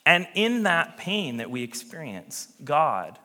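Male pastor, preaching, lively pitch, bright tone, earnest, trails off to a hush, reverberant church hall. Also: measured pace. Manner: earnest, animated, drops to a hush at phrase ends. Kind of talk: sermon. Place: church sanctuary.

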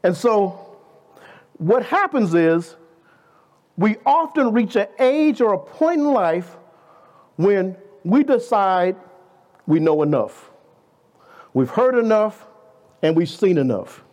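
Guest preacher, man in his fifties, high tenor with a very animated delivery, conversational sermon style. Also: slow pace, long pauses. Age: 50s. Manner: conversational preaching, rhetorical questions, playful asides.

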